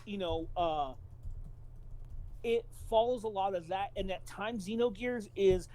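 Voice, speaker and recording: High-voiced man, analytical podcast talker. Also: a little slow, mellow, rough recording. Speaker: podcast co-host. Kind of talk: casual, opinionated discussion.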